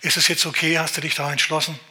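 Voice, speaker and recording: A man voicing a hurried wife on the phone. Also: fairly high pitch, level tone, bright, forceful tone. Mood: asking. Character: wife calling from a noisy changing room.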